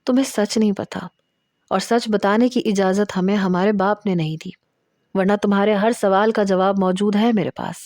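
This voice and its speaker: A woman's voice: mid-range voice, steady tone, darkish tone, no echo, studio quality, natural voice. Woman narrator doing a cold, cautioning young female cousin in a storybook. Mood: warning.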